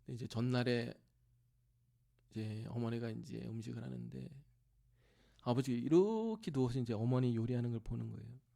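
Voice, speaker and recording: A man's voice: medium pitch, normal speed, creaky, long pauses. A middle-aged man preaching as a pastor, telling a personal family story and acting out voices, sometimes dropping to a near-whisper. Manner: acts out family members' voices in lively bursts, drops to near-whisper at tender moments. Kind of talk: sermon storytelling. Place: church sanctuary.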